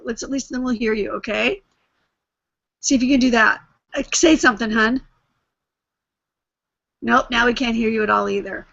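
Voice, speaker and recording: A woman hosting a video call chats breezily with a high, bright voice and a gravelly edge. Her sound is dry and close, with the dull, lo-fi quality of call audio. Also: no room sound. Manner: chatty, breezy troubleshooting. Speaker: show host.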